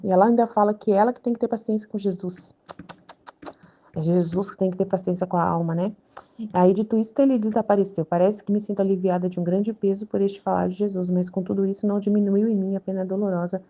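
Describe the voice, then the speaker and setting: A woman's voice: medium pitch, steady tone, fast talker, warm tone. A woman with a Brazilian Portuguese accent who reads devotional texts and comments on them in a chatty way. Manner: chatty, with many filler tags. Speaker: channel host reading religious texts. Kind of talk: devotional reading with casual commentary.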